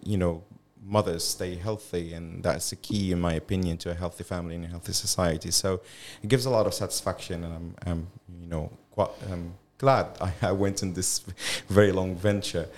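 A man's voice: low voice, a little hiss or hum. A middle-aged man from Belgium and Syria, a gynecologist guest on a podcast, speaking with many restarts and fillers. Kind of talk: podcast interview.

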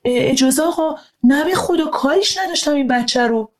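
A woman's voice: high-pitched, voice pushed up, lightly acted. A woman voicing an angry, mocking schoolboy bully in an audio storybook, over guitar music. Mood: indignant. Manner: mocking, scornful.

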